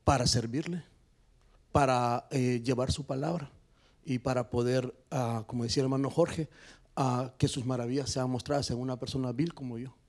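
A man at a church service answers the pastor in fluent, earnest sentences drawn from scripture. His voice sits at a middle pitch with a mellow, warm tone. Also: fairly even intonation, moderate pace. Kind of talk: spontaneous testimony in a church.

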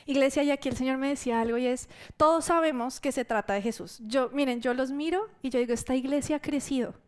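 Delivering a testimony in her sermon, this woman preacher tells the story with energy and mimics what people said to her church. She speaks fast in a high, clear, resonant voice.

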